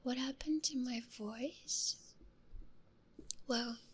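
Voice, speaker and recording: A woman streaming ASMR in a hushed, breathy whisper, speaking gently and intimately close into a stereo microphone. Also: sits high, very slow.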